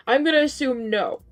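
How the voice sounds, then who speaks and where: A slightly hoarse woman streamer, losing her voice a little, chatting casually with her viewers, laughing often and filling pauses with "um". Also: sits high. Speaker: game streamer. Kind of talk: casual live-stream chat.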